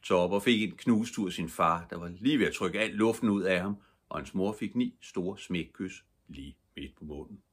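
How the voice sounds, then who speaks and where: An older man reading a children's bedtime story aloud, calm and gentle. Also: deep voice, husky.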